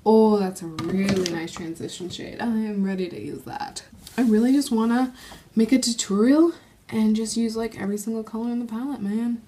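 A woman's voice: on the high side, steady tone, normal speed, mellow, slight background noise. A young woman swatching a makeup palette in a casual vlog, gushing with gasps and exclamations. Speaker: beauty vlogger.

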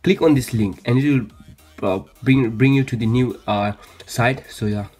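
Male tech tutorial host, mid-range voice, casual and halting delivery, faint music underneath. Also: mid-range voice, darkish tone. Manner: hesitant, repetitive phrasing with frequent stumbles. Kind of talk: casual how-to screen demonstration. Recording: music behind, some background noise.

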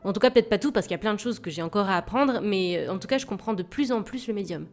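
A woman's voice: medium pitch, animated, fast. A woman with a cold and a stuffy nose, chatting casually and hesitantly through a speedpaint voice-over as a digital illustrator. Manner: chatty and hesitant, many fillers and restarts. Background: faint background music.

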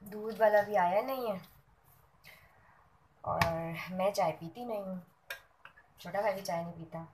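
A woman's voice: mid-range voice, unhurried, pauses often. A woman vlogger chatting homely and casual while she cooks in her home kitchen. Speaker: cooking vlogger. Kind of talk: casual cooking narration. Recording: noisy kitchen recording. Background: clatter of pots and dishes.

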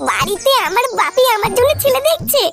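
A woman's voice: extremely high pitch, big pitch swings, a little fast, over loud music, heavily acted. A woman voicing an impatient, coaxing young girlfriend in a comedy cartoon. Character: nagging young girlfriend wanting marriage, cartoon.

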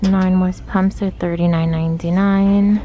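A woman narrating a casual shopping vlog, calmly listing items and prices as she walks through a large store while filming on a phone. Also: unhurried, muffled recording. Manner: low-key, steady price-listing commentary. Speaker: shopping vlogger. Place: large retail store, indoors. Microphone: handheld phone camera. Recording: store noise in background. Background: store ambience noise.

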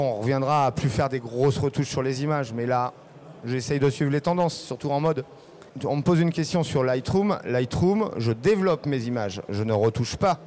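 Middle-aged man, photographer at a live fair talk, casual and halting, handheld mic. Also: mid-range voice, darkish tone. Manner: casual, hesitant, many fillers. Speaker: guest photographer. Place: trade fair stage.

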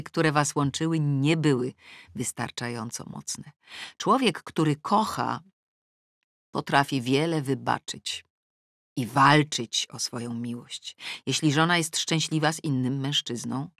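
A woman's voice: rumbling low, dry recording. Woman narrating a novel, dry and close. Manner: switches between sharp, scornful asides and a calm, measured advice-column tone. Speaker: audiobook narrator. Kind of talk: first-person novel narration with acted letters and asides. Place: recording booth. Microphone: studio microphone.

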